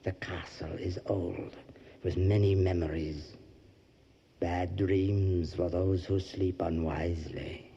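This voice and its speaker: Old vampire lord for audio drama, super dark voice, slow grand pauses, proud n quietly menacing. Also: male voice, low voice, steady tone, slightly rough, exaggerated voice. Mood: commanding, menacing. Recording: dull, muffled lo-fi audio.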